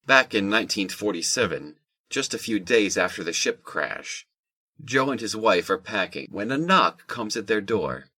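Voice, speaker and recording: A man's voice: lowish voice, animated, moderate pace, pushed and bright. A man narrating a scripted audio drama in the third person.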